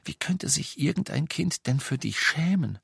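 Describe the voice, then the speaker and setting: A man's voice: fairly high pitch, expressive, moderate pace, creaky, a bit bright, breathy edge, dry recording, clean studio sound, voice pushed up, heavily acted. A man reading the part of a young witch who pleads with the others, near tears. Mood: pleading. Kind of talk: audiobook character voice.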